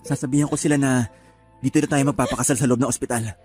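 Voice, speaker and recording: A male actor as a soft-hearted groom wounded by betrayal, speaking earnestly at a medium pitch. It is emotional radio romance acting, with music playing underneath. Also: steady tone, racing, lightly acted. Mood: tender, forgiving.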